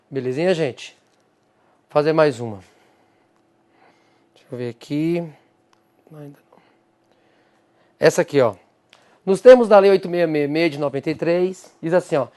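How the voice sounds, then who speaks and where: Male teacher, Brazilian Portuguese accent, highish voice, emphatic step-by-step lecturing with self-answered rhetorical questions. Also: normal speed, pauses often, darkish tone. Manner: answers his own rhetorical questions to an imagined student. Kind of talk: recorded exam-prep lecture.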